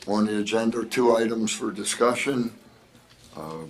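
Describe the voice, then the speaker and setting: A man with a New Jersey accent, a mayor chairing a town meeting, hoarse from losing his voice and joking in a folksy way. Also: lowish voice, normal speed. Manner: jokey, folksy.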